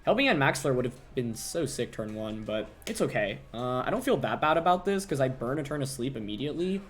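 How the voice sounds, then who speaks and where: A man's voice: medium pitch, sing-song, fairly quick, soft background music. A young man commentating his own competitive video game battle, thinking aloud and second-guessing his plays. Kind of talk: live gameplay commentary.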